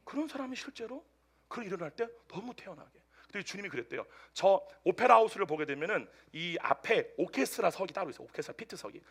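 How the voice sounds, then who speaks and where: A male pastor delivers a Sunday sermon in a high, bright voice. His pitch leaps and dips constantly as he tells his story, jumping from loud bursts to hushed asides. He preaches to a congregation that answers him. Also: fast talker, slightly rough. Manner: animated storytelling, swinging between loud outbursts and hushed asides. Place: church service with a congregation answering amen.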